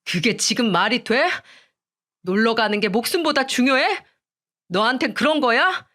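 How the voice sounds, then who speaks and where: A woman voicing an agitated grown son who scolds his wife in an angry, shouting manner, in a storybook radio reading. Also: fairly high pitch, normal speed, voice pushed up, close to an everyday voice. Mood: furious.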